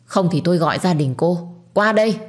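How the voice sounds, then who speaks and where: A woman's voice: lowish voice, expressive, fairly quick, close to an everyday voice. A woman voicing a stern older matriarch who scolds and commands her household in an audio story. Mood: furious.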